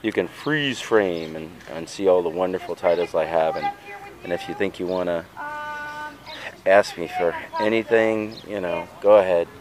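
A flea market vendor films a chatty, rambling walkthrough of his tables at an outdoor street fair on a handheld camera. He has a low voice at normal speed, with crowd noise around him.

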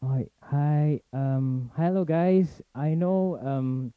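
A young man from Malaysia, giving a chatty, informal forum talk in fast bursts. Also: a little high, smooth, no room sound. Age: young adult. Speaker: forum speaker. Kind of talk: casual presentation to an audience. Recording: tinny phone-like sound, dry.

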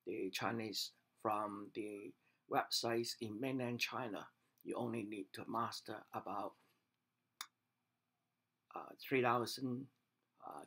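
Husky older man teaching at his webcam. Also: mid-range voice, fairly bright tone. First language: Cantonese. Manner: measured, plain explaining with pauses and restarts. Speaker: language teacher. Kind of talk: unscripted video lesson. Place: home study with bookshelves, indoors. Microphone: webcam at desk.

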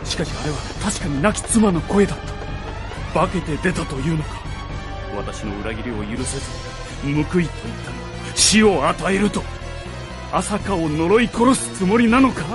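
Man acting an anguished widowed lord, impassioned radio drama, wide pitch swings, music behind. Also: expressive, moderate pace, natural voice. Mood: shocked, brooding. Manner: theatrical, pleading, impassioned. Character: anguished guilt-ridden widowed nobleman and father.

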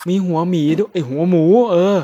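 A man casually commentating his gameplay, chatty and prone to loud sudden exclamations and swearing. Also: high-pitched, a little fast, highs cut off. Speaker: game streamer.

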